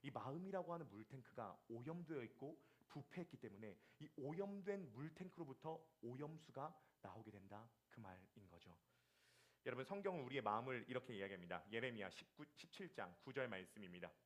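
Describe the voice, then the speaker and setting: A man's voice: medium pitch, brisk. A man preaching a Sunday sermon as the church's pastor, telling stories with acted asides. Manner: lively storytelling with acted asides.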